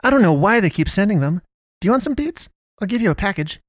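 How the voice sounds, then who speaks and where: A man voicing a chirpy, bustling middle-aged woman who runs a shop and talks in high, rapid, breathless chatter. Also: big pitch swings, dry recording, studio quality. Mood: chatty.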